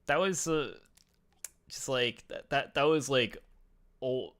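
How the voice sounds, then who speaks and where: A man's voice: mid-range voice, slow pace, fairly bright tone, smooth. A man co-hosting a casual online show, talking in a rambling way with many fillers and restarts. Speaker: podcast co-host. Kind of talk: casual chat.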